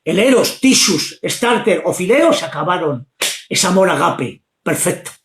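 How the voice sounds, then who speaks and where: A man preaching fervently, often shouting his exclamations. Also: high-pitched, very animated, measured pace, reverberant, slight background noise. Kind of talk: impassioned preaching.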